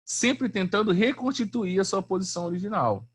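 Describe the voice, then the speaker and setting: A man's voice: high-pitched, lively intonation, normal speed, breathy edge. A man teaching a physics class online in a chatty, slangy way, often asking the students questions.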